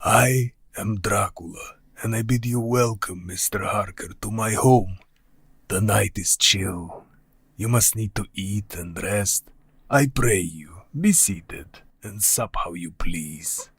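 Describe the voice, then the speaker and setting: An actor playing an ancient, proud male vampire count in a radio play, speaking in a formal, old-fashioned way with a gravelly, husky voice. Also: fairly low pitch, a bit bright, no room sound, studio quality, heavily acted. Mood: hospitable. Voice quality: gravelly, husky, slow and deliberate.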